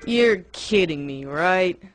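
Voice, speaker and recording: A woman's voice: fairly low pitch, expressive, slow, faint music behind. A woman voicing a blunt, sardonic lesbian cartoon character with a sarcastic manner.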